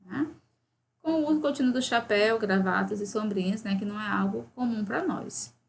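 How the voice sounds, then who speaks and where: A woman's voice: mid-range voice, moderate pace, vocal fry, a little hiss or hum. A woman with a Brazilian Portuguese accent, teaching a seventh-grade grammar lesson, reading exercises aloud and checking in with frequent "né?" tags.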